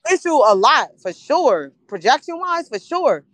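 A woman's voice: sits high, very animated, normal speed, a bit bright, no room sound. A woman battle rapper, a podcast guest, talking in casual chat and repeating phrases to drive her points home.

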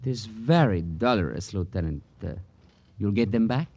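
An actor playing a formal, anxiously polite jewelry merchant in old radio drama, with a husky voice and stilted, pompous courtesy. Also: male voice, fairly low pitch, expressive, moderate pace, heavy background noise. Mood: mournful, formal. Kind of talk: old-time radio crime drama acting.

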